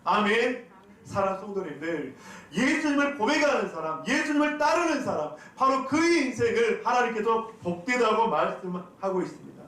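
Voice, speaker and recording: A man's voice: sits high, a bit bright. A man preaching a sermon as pastor, putting questions to the congregation and answering them. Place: church sanctuary. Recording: very echoey hall, from a distance.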